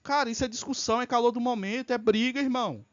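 A man's voice: very high voice, fast talker, a bit bright, dull audio. A man hosting a live reaction stream, arguing heatedly and swearing as he reacts to a video. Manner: fiery, profane, argumentative.

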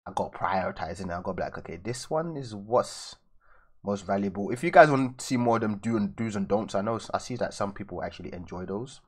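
Casting: easygoing young London guy, slightly low voice, loose streamer chatter at a desk. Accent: London English. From raised in London, England. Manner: loose and chatty, answering viewers. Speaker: artist streaming live. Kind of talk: casual live-stream chat while drawing. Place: indoors at a drawing desk.

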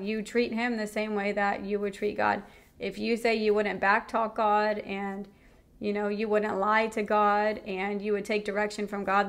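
A woman's voice: medium pitch, gravelly. A young woman giving an earnest personal faith testimony, speaking frankly about her own experiences.

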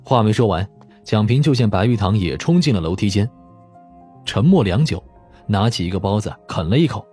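A man's voice: fairly low pitch, animated, a little fast, mellow, soft background music. A man reading a dramatic scripted audiobook narration.

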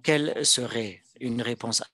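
A male interpreter renders a formal presentation live. His voice sits at a middling pitch. He speaks slowly and haltingly, delivering the speech phrase by phrase. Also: fairly bright tone, husky. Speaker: simultaneous interpreter.

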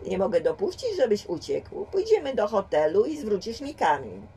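A woman voicing a gruff middle-aged man posing as a police inspector, with a curt, dry, officious manner. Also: mid-range voice, huge pitch swings, moderate pace, mellow, heavily acted. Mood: smooth. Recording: distant home mic.

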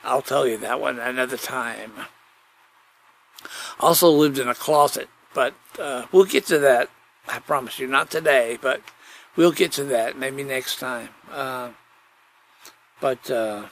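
A man's voice: mid-range voice, gravelly, fairly bright tone. A man telling rambling, nostalgic stories in a folksy, meandering monologue. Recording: noisy, with ambient background sound.

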